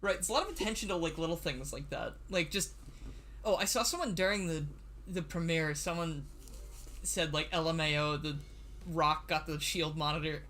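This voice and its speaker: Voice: mid-range voice, normal speed, pushed and bright, slight background noise. A livestream host and series writer chatting casually on a computer mic, nervous, stammering and laughing often.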